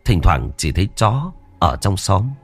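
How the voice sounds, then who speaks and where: A man's voice: deep voice, very animated, a little slow, vocal fry, breathy edge, soft background music. A man narrating a ghost story in a vivid, colloquial way.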